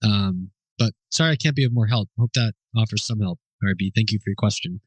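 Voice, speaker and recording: A man hosting an unscripted Q&A answers listener questions hesitantly, thinking aloud with fillers and self-corrections in an informal, explanatory way. His voice is fairly low, brisk and husky, and the recording is rough with no room sound.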